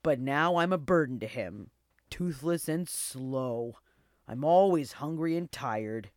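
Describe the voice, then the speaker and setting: A woman voicing a weary, toothless old male dog in a children's storybook, slow, sighing and grumbling. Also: extremely low pitch, expressive, darkish tone, no echo, clean studio sound, heavily acted. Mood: weary, sad.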